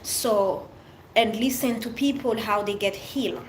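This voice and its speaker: A woman's voice: mid-range voice, measured pace, poor audio. Livestream host: middle-aged Haitian woman, French accent, candid and earnest, faint background hiss. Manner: open, earnest, speaks in short fragments with restarts. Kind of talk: casual livestream chat answering viewers.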